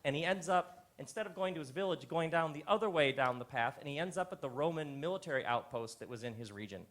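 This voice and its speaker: A man hosting a live stage talk, a reflective storyteller who drops soft on his key lines. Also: a little high, expressive, quick pace. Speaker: host. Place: live theater stage before an audience.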